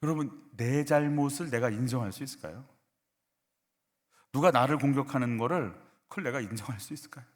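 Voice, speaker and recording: A male pastor preaching a sermon, questioning the congregation and acting out short skits in a softer, lower voice. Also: fairly quick, in a large hall. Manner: acts out short skits, softening into a low hushed voice for quoted lines; asks the congregation questions, leads a call-and-response exercise. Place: church sanctuary.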